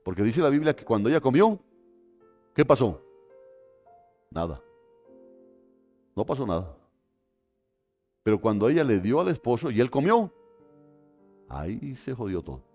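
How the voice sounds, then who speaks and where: A man preaches a live sermon with a lively voice that leaps high and drops low. He talks in an animated, folksy way and slips into quoted voices. Soft instrumental music plays faintly behind him. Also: moderate pace, pauses often. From Colombia.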